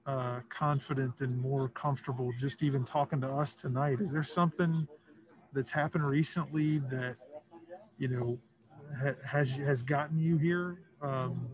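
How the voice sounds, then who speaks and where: A male reporter puts his questions slowly, pausing on fillers as he works toward the point. His voice sits at an ordinary middle pitch. He is one of several reporters questioning a player after a game. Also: steady tone, poor audio. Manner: slow, hesitant questioning with fillers. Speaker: sports reporter. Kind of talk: press conference questions.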